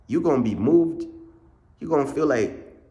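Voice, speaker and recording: A man's voice: on the high side, expressive, normal speed, mellow. A young man from Uganda, a Christian vlogger talking in a casual, slang-heavy monologue, repeating himself and saying bro a lot. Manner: slangy, repetitive, peppers speech with bro.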